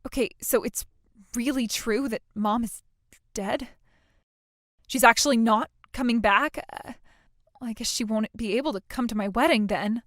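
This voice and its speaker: A woman voicing a self-absorbed young bride, whiny and stammering, with a high voice. The recording is dry and close-miked. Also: normal speed, pauses often, dry recording, lightly acted. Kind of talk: scripted drama dialogue.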